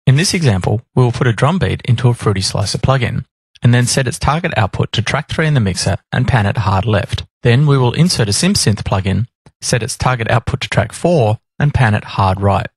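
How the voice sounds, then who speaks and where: A man reading scripted instructional narration in a measured, explanatory manner. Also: mid-range voice, animated, slightly rough, no room sound. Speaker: tutorial narrator.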